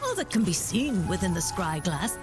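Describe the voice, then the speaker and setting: A woman playing a knowing, authoritative female mystic in a game, speaking gravely and formally. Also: lowish voice, sing-song, moderate pace. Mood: imperious. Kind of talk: scripted game voice acting. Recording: loud music behind the voice. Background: loud game music.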